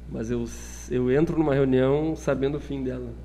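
At a moderate speed, a man talks in a space with clearly audible room echo. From Bagé, southern Brazil. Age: 30s. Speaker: fashion brand entrepreneur. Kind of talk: interview.

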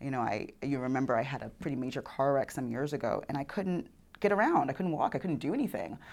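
Lively in intonation and very fast, an American-accented speaker comes through on a very clean recording with a silent background. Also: woman, very deep, low pitch for a woman. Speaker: professor and diversity officer. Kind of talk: casual interview conversation. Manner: animated, laughs often.

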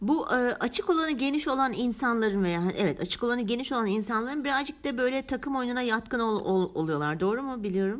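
Barely pausing, a woman talks at a very fast pace. Her high-pitched voice has lively intonation. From Turkey. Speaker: podcast co-host. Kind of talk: casual chat.

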